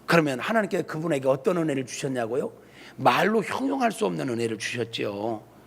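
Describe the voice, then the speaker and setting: A man preaching a sermon as senior pastor, telling stories with animated delivery and acting out the people he quotes. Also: medium pitch, a little fast, vocal fry, breathy edge. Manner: animated storytelling, acting out quoted phone calls. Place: church sanctuary. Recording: long church hall reverb.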